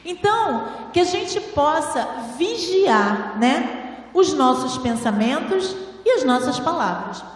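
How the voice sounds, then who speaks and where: A woman with a high voice gives a spiritual talk to a seated audience, teaching patiently and asking rhetorical questions. She speaks into a handheld microphone, but her voice arrives from a distance. It is wrapped in the long, booming reverb of a large hall. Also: sing-song, takes it slowly. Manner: didactic, rhetorical questions, frequent "né?". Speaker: lecturer at a spiritual temple. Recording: echoey hall, voice from far off.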